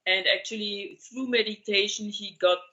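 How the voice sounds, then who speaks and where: A woman's voice: mid-range voice, fairly even intonation, moderate pace, sharp tone, highs cut off. A woman in her sixties from Colombia, explaining things in an interview over a video call and searching for words with many fillers. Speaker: interview guest. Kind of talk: conversational interview.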